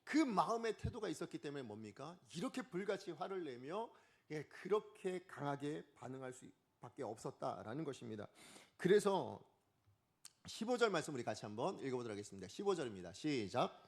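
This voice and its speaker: A man's voice: fairly high pitch, a little fast. A man preaching a Sunday morning sermon as pastor, asking the congregation questions and acting out quotes. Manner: lively, asks the congregation questions and acts out quotes. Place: church sanctuary.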